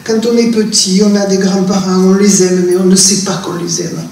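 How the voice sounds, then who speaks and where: A woman's voice: mid-range voice, steady tone, normal speed, dark tone, a little hiss or hum. An older woman with a southern French accent, a storyteller speaking earnestly and reflectively at a live conversation event, often restarting her phrases. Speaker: storyteller and translator guest. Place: festival conversation venue indoors. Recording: very echoey room from a distant mic.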